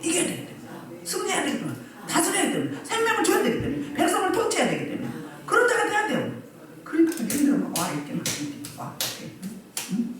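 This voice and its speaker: A woman's voice: very high-pitched, huge pitch swings, quick pace, noisy background. A middle-aged woman pastor preaching a sermon with emphasis, repeating phrases and asking the congregation questions. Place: church hall. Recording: echoey hall, mic at a distance.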